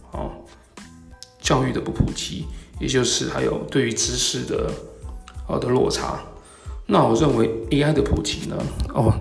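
Male podcast host, Taiwanese Mandarin accent, very creaky voice, medium pitch, halting explanatory delivery, faint background music. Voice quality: gravelly, creaky. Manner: halting, explanatory, frequent hesitant pauses and throat-clearing. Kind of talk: solo talk explaining tech and market topics.

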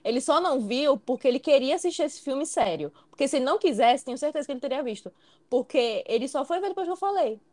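A woman talks quickly in a fairly high voice. She co-hosts a casual podcast and tells stories with animated exclamations. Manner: animated storyteller, exclaims "gente". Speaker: podcast co-host.

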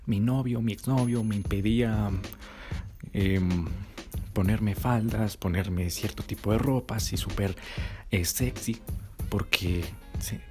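A man's voice: on the low side, slow pace. A man voicing a young woman who complains about being judged, in a whiny tone. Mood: complaining. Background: music.

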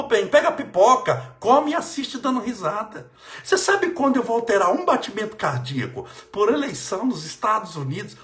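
A man's voice: high voice, a bit bright. A man with a Brazilian Portuguese accent, a politician giving a motivational religious talk, emphatic and repeating phrases for stress. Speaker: politician giving life advice.

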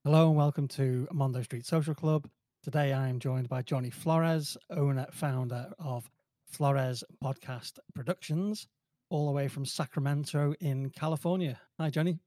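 A man's voice: mid-range voice, steady tone, normal speed, warm tone, no echo, clean studio sound. A man hosting a podcast, asking short questions and giving brief encouraging replies. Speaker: podcast host. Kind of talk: casual interview.

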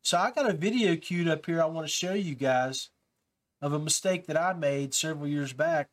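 A man's voice: a little high, normal speed. A man hosting a podcast, casually talking viewers through advice with many fillers and restarts. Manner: coaching tone, giving tips to beginners. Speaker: podcast host.

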